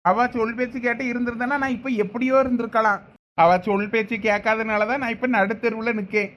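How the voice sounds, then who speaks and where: Guy doing a complaining brother, thoothukudi accent, really high-pitched for a man. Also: flat delivery, fast, fairly bright tone. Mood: insistent. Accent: Thoothukudi Tamil. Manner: insistent, complaining. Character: aggrieved middle-aged brother demanding his property. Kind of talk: village comedy skit acting.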